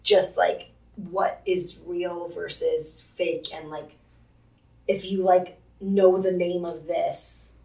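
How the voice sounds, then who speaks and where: A woman's voice: fairly low pitch, little pitch movement, takes it slowly, creaky, mellow, echoey room, recorded from a distance, rough recording. A woman co-hosting a casual book discussion, rambling and saying "like" a lot. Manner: rambling, heavy use of "like". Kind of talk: casual chat.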